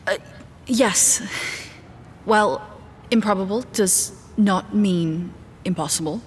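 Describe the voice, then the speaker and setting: A woman playing a composed, determined scientist in an audio drama, with formal, measured diction. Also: medium pitch, a little hiss or hum, natural voice. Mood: guarded, solemn.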